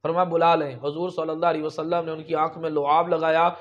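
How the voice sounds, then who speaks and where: High-voiced male preacher, emphatic storytelling. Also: level tone, fast talker, dull audio. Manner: emphatic, with sudden raised peaks. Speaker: religious preacher. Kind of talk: storytelling sermon.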